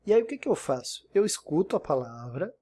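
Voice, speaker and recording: Guy teaching english, kinda high but mellow voice, patient, keeps saying né. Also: big pitch swings, fairly quick. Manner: patient and explanatory, often checking in with "né?". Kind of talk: recorded screen-share lesson.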